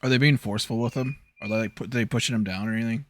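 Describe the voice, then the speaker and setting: A man's voice: medium pitch, steady tone, rapid-fire, a little hiss or hum. A man playing in a tabletop game over voice chat, asking eager questions and stumbling over his words. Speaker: player. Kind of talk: casual tabletop role-play over voice chat.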